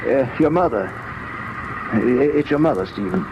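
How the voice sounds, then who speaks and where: An actor playing a distraught middle-aged father, a country gentleman, speaking gravely and haltingly with stammers in an old-time radio drama. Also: mid-range voice, expressive, natural voice. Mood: grief-stricken. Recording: muffled, noisy old radio recording.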